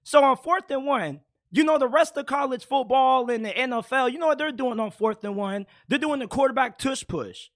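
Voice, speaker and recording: Hoarse high-voiced man ranting about sports. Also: normal speed, few pauses, fairly bright tone. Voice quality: raspy. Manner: blunt, opinionated, gets heated. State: hoarse from yelling. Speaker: sports commentator host. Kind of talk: casual sports talk.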